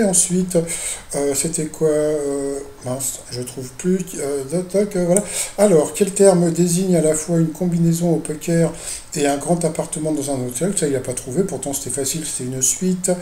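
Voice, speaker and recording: A man's voice: on the high side, dark tone, a little hiss or hum. Hesitant mocking man, echoey room. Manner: hesitant, full of fillers, mocking. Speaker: YouTuber commenting on a TV quiz show. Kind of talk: casual video commentary.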